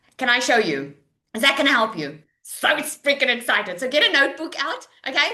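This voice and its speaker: A woman speaks in a raised, projected voice at a high pitch, with lively intonation. Her pace is fairly quick and her tone animated. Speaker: online business coach. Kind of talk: live webinar training. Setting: video call.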